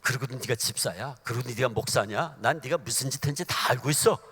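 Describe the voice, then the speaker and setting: A male pastor voicing Satan as a mocking, accusing figure in a lower voice than his own. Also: fast talker, fairly bright tone, slightly rough, big-room sound. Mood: taunting. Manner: sneering, mocking.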